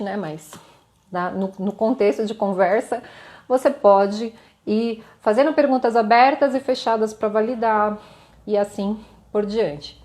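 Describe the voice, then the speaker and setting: A communication instructor with a Brazilian Portuguese accent gives a live-streamed lesson in a mid-range, slightly mellow voice. She explains conversationally, tags her points with little questions and light laughs, and answers viewer comments.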